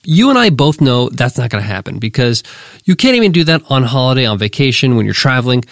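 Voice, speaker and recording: This business podcast host talks at a fast clip in a mid-range, very animated voice, cheering his listeners on like a motivator. A cold leaves him nasal and congested. The studio-quality recording is dry.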